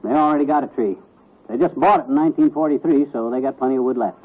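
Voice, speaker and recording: An actor playing a stubborn, boastful husband in a 1940s radio sitcom, blustery and self-assured, on an old radio transcription. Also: male voice, mid-range voice, fast talker, phone-quality sound, lightly acted.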